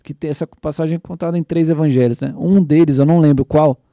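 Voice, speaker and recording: A man's voice: a little high, fast, dry recording, studio quality. A man hosting a casual faith podcast, telling a story with energy and acting out quotes. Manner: animated storytelling, acts out quotes. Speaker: podcast host.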